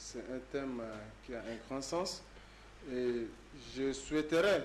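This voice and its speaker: A man speaks at a fairly slow pace with ordinary pitch variation. Room echo is audible. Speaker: TV panelist. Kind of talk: TV panel debate.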